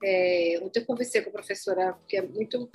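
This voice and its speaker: A woman from Pernambuco, a journalist and academic, answering interview questions in a measured, analytical way. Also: mid-range voice, a little mellow, slightly rough, faint music behind. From Pernambuco, Northeast Brazil.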